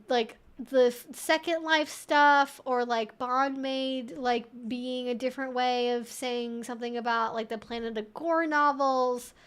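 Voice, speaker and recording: A woman hosting a casual livestream, chatting to viewers in a playful, wry, mock-serious way and often giggling as she talks. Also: high-pitched. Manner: giggles often while talking. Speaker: livestream host.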